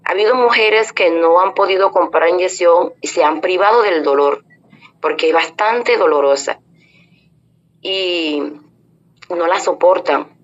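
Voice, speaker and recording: A woman giving an earnest spoken religious testimony, addressing her listeners as brothers and sisters and retelling conversations in quoted speech. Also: lowish voice. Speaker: church member giving testimony. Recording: dull lo-fi audio with faint noise.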